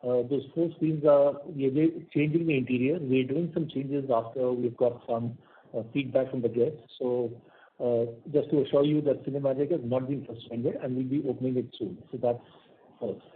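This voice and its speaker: A man's voice: medium pitch, fairly even intonation, normal speed. A man with an Indian accent answers as a company executive on an earnings call, reassuring and matter-of-fact, over a phone line. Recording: tinny narrowband conference phone line.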